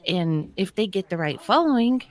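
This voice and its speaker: A woman co-hosting a casual discussion, explaining her point in a measured, conversational way. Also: medium pitch, sing-song.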